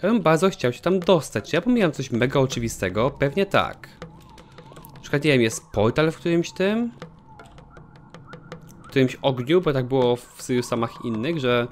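A man's voice: mid-range voice, normal speed, long pauses, faint music behind. A young man commenting casually on his own gameplay, joking and swearing at himself. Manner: animated, swears a lot, jokey self-talk. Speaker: gaming channel host. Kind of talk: let's play commentary.

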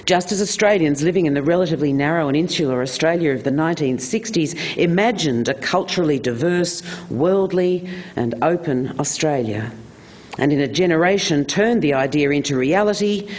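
Higher-voiced man reading a formal speech. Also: brisk. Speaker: reader of a famous political speech on stage.

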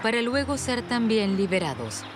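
A woman's voice: on the high side, big pitch swings, moderate pace, noisy background. A woman reading scripted narration for a nature documentary. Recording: music behind the voice. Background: documentary music.

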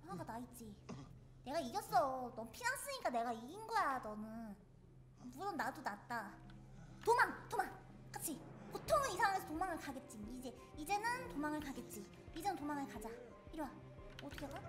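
Woman, gameplay streamer, very high voice, bouncy animated pitch, excitable, playful yelling, game music behind. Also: a little fast. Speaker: VTuber streamer. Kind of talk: live gameplay commentary.

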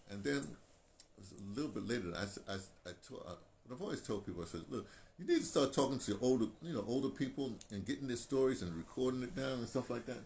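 Holding his phone at arm's length in a small painted room, a radio veteran and video blogger in his sixties chats loosely to the camera. This American man has a lowish, somewhat mellow voice, and he wanders off on tangents, pausing and circling back over the same phrases. Ambient background noise comes through on an otherwise clear recording.

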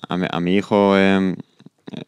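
Dad on a podcast, low smooth voice, earnest and supportive. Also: male voice, level tone, measured pace, no echo. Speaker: podcast guest, father. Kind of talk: podcast conversation.

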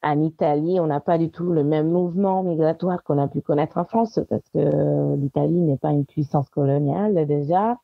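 A woman's voice: deep voice, moderate pace, creaky, hardly any pauses, no echo, phone-quality sound. A woman in her thirties, a guest in an interview, talking casually with frequent small laughs and hesitations. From Italy. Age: 30s. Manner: warm, laughs often, many hesitations.

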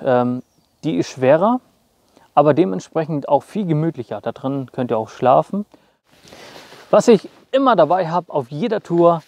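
A man's voice: fairly high pitch, darkish tone. A young man casually showing his outdoor gear, talking straight to viewers with plenty of fillers, recorded in snowy woods on a clip-on mic. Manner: chatty, lots of fillers, addresses viewers directly.

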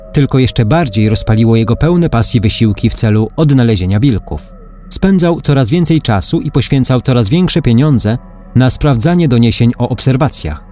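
A man reading a scripted article aloud as a narrator, in a measured storytelling manner, like a documentary. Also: medium pitch, mellow. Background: faint background music.

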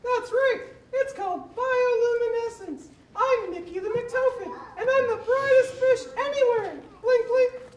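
A woman voicing a chirpy, boastful female lanternfish in a live puppet show, exclaiming in a squeaky voice. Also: measured pace, long pauses, a little mellow, a little hiss or hum. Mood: excited. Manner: squeaky, exclamatory, repeats "blink blink". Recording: roomy hall from far off, dull.

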